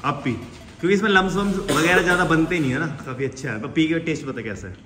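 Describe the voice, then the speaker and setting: A man's voice: on the high side, quick pace, bright, forceful tone, slight background noise. A young man, a fitness vlogger, chatting casually and teasing friends while filming in a hotel and gym. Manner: chatty, teasing, hypes up others. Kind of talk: casual vlog chat. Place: hotel room, restaurant and gym. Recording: echoey rooms with music behind.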